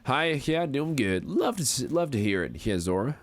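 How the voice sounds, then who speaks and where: A man's voice: medium pitch, sing-song, normal speed, voice pushed up, natural voice. A man in his forties putting on an American Southern accent as a folksy, amiable frontier fellow with courtly phrasing, chatting casually on a game livestream. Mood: amiable, chatty. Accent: put-on American Southern. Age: 40s. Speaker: game streamer. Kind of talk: casual livestream chat in character.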